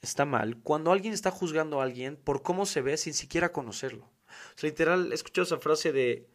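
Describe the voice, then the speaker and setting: A man with a Mexican accent talks through a casual podcast monologue. His voice sits a little higher than most men's, and his delivery is emphatic and full of slang as he keeps circling back to the same points. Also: fairly quick. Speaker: podcast host.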